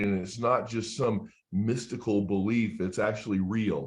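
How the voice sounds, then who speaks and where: Against a quiet background, a man's somewhat breathy voice moves at a moderate pace. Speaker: attorney leading a business opportunity call. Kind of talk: weekly company update call. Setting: broadcast conference call with simultaneous translation.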